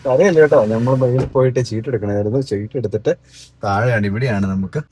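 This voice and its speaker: A woman's voice: extremely low pitch, fast, dark tone, slight background noise. A woman vlogging casually from a parked car, chatting and coaxing a small child along. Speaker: vlogger and mother. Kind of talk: casual family vlog chat.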